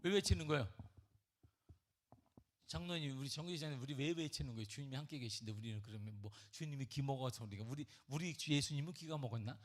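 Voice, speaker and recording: A man preaching a sermon at a church prayer meeting, with animated rhetorical questions and sudden drops to a near whisper. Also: medium pitch, fast talker. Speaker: pastor. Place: church sanctuary.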